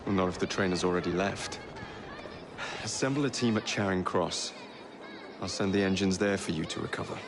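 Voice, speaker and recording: A man voicing a confident Victorian gang leader who gives brisk commands. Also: low voice, over music.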